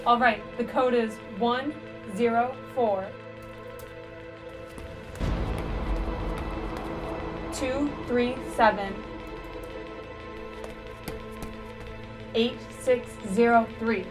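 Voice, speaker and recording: A woman acts out an impatient, critical young woman on a bomb squad in a short comedy film. Her voice sits slightly high and scolds bluntly, over faint music. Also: fairly even intonation, unhurried, natural voice. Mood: focused.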